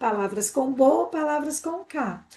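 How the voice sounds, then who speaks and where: A woman's high-pitched voice in an animated tone, with ordinary pitch variation. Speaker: teacher trainer. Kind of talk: live webinar presentation.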